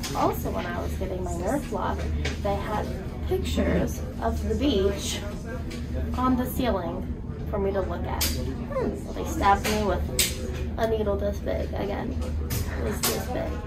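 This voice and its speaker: With clear music in the background, a woman speaks at a fairly slow pace, leaving long, frequent pauses. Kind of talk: casual vlog chat. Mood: impatient, wry. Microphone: phone near.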